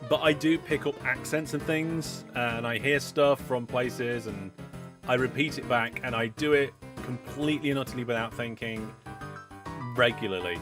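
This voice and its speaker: A man's voice: mid-range voice, moderate pace. A man hosting a live game stream, chatting through his play, reading out viewer messages and reacting with mock alarm. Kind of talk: live gameplay commentary. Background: background music.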